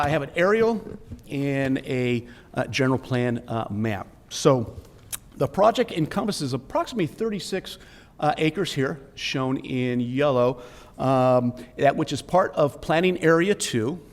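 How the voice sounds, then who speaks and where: A man presenting as a senior city planner, formal and filling pauses with uh. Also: mid-range voice, big-room sound. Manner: formal, frequent uh fillers. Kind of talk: staff presentation. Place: council chamber.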